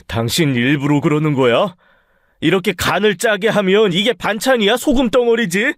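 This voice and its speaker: A man's voice: high voice, animated, normal speed, no echo, clean studio sound. A man voicing an irritable, sick middle-aged husband who harshly scolds his wife in a radio story drama. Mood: nagging. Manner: harsh, nagging, rising to shouts.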